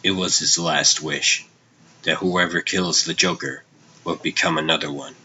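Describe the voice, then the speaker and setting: Man playing a very deep, brooding vigilante hero. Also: fairly even intonation, bright, forceful tone, dull audio, a little hiss or hum, exaggerated voice. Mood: ominous. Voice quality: low, tense. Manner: grave, deliberate. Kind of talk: dramatic comic dub acting.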